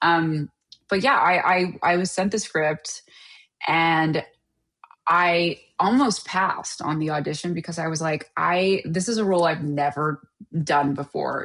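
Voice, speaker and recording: A woman talks in an ordinary speaking voice with a fairly low pitch. Her pace is fairly slow and her pitch variation is ordinary. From Canada. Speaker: actor. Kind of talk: interview answer.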